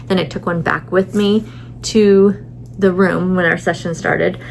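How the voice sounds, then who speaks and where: A woman's voice: on the low side, fairly even intonation, measured pace, creaky, slight background noise, rough recording. A middle-aged woman chatting casually in a vlog from a hotel room, rambling with many fillers, tired and a little stuffy. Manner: rambling, lots of fillers and restarts. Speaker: vlogger.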